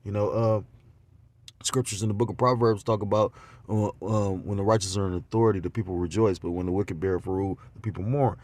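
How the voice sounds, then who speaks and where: A man giving an informal religious lesson on a phone, talking loosely with many fillers and getting louder and more animated as he goes. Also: on the low side, a little fast. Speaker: religious teacher.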